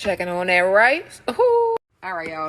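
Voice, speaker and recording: A woman speaks with a New Orleans accent. Her tone is upbeat. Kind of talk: casual cooking talk to camera. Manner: upbeat, chatty.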